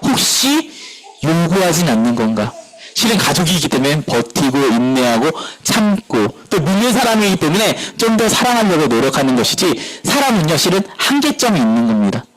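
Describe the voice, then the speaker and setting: A man preaching a sermon as pastor at a church service, animated, asking the congregation questions and answering them himself. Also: a little high, normal speed, rough recording.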